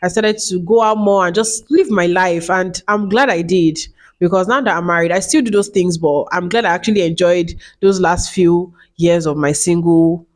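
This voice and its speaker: A woman's voice: on the low side, moderate pace. A woman in her late twenties talking casually to camera as a vlogger, chatty and repeating herself, with many fillers. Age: 20s.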